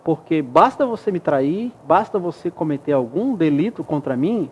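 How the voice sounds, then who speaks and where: A man speaks as a guest in a TV studio interview, laying out ideas step by step with everyday examples. He has a fairly high voice and a warm, mellow tone, and he often checks that his listener is following. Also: animated, moderate pace, dull audio, a little hiss or hum. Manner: reflective, explains with examples and frequent tag questions. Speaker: guest expert. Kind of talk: explanatory interview talk.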